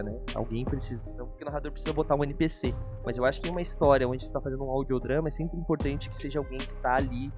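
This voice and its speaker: A Brazilian host comments casually in a mid-pitched voice. The sound is somewhat dull, with music clearly playing behind the conversation. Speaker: reaction show host.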